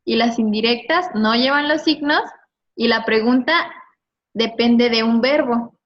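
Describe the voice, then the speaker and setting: A woman's voice: fairly high pitch, a little slow. A woman teaching a grammar lesson to a class, prompting students with questions and checking their answers. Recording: dull lo-fi recording.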